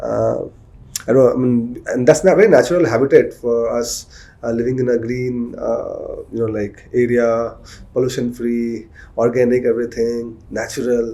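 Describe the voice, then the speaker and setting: A man with an Indian accent at a moderate pace. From India, Bihar (Muzaffarpur). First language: Maithili. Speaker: AI startup founder. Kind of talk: podcast interview. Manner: halting, many fillers.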